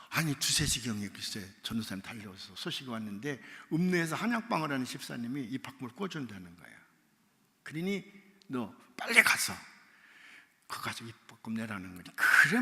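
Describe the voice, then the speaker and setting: A man preaching a revival sermon in a church, telling a story and acting out its dialogue, sometimes shouting and crying out the lines. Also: fairly high pitch, gravelly. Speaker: pastor. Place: church sanctuary. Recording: church hall reverb.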